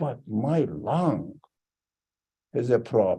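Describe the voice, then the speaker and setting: A man talks with lively intonation, vocal fry and a dark, mellow tone. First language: not English. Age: old. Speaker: Quran teacher. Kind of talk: lecture. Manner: halting; animated.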